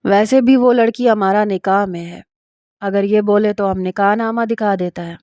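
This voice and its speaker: A woman's voice: mid-range voice, a little mellow, dry recording, clean studio sound, lightly acted. Fields: Figure: blunt young Pathan man, voiced by a woman. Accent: Pashtun-accented Urdu.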